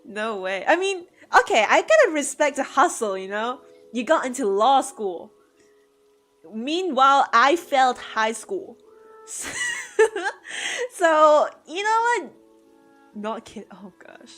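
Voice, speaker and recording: A woman with a Cantonese mother tongue talks to her chat while she draws, rambling from one aside to the next and breaking into laughter. Her voice sits a little high. Soft music plays quietly behind her. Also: big pitch swings, takes it slowly. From Hong Kong. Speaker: art streamer. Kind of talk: casual chat while drawing. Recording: faint music under the voice. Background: soft background music.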